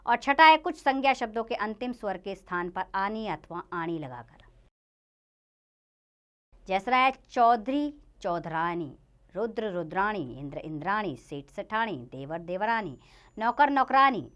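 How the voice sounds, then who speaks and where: A woman's voice: mid-range voice, big pitch swings, measured pace, a bit bright. A woman teaching a grammar lesson to children, reading word lists in a rising and falling lilt and speaking to them directly. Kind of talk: Hindi grammar lesson narration.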